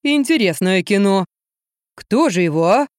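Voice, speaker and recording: A woman voicing a heavy-set, slow-witted man who drawls and grumbles in a lower voice. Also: animated, no echo, studio quality, natural voice. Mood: slow grumbling.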